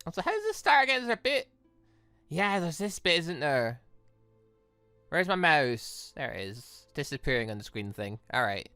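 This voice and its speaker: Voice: medium pitch, sing-song, normal speed, bright, forceful tone, dry recording, soft background music. A gaming YouTuber giving casual, rambling let's play commentary in a chatty way.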